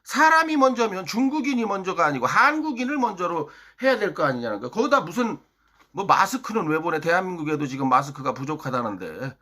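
A man's voice: high voice, sing-song, fairly quick, bright, forceful tone. A man from Chungcheong, South Korea, delivering a heated political monologue as a YouTuber, hectoring his listeners with rhetorical questions.

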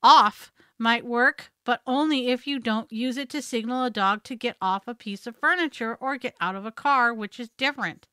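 A woman's voice: on the high side, moderate pace, hardly any pauses, bright, forceful tone, smooth, no echo. A woman hosting a podcast, reading scripted tips in an instructive way on a close studio mic. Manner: instructive, demonstrates commands with voice. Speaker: podcast host. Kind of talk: scripted narration.

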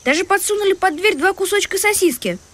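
A woman narrating a children's audio tale in the first person, in a brisk storytelling manner. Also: very high voice, expressive, a bit bright. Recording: music bed under the voice.

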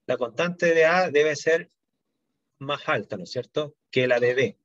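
A man's voice: a little high, unhurried, a bit bright, lo-fi sound. A middle-aged man lecturing on chemistry to a university class, explaining step by step and checking in with his students often. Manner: explanatory, frequent "¿no es cierto?" and "¿ya?" check-ins.

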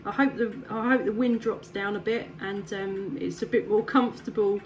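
A woman's voice: mid-range voice, fairly even intonation, normal speed. A woman from England chatting casually with a distant contact over CB radio from her home station, laughing often and filling gaps with ums. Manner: friendly, laughs often, many fillers. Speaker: CB radio operator.

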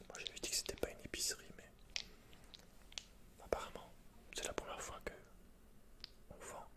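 Close to the microphone, a young man performs an ASMR shopkeeper roleplay. His delivery is understated and halting, full of hesitation.

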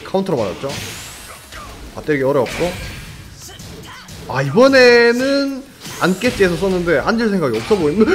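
Young guy commentating a fighting game tourney, pitch jumps all over, kinda high voice, game music faint behind. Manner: excitable, chatty, jokes with viewers, quick reactions. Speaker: esports commentator.

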